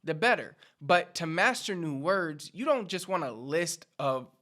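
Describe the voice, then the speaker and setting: Bright-voiced Puerto Rican man teaching. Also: on the high side, animated, a little slow. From Puerto Rico. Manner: upbeat, instructive, addresses viewers directly. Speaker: Spanish teacher. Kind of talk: direct-to-camera language lesson.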